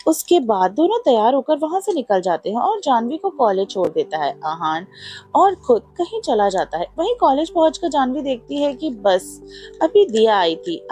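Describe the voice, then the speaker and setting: A woman narrating a scripted romance story in a steady storytelling manner, with faint music behind. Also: a little high.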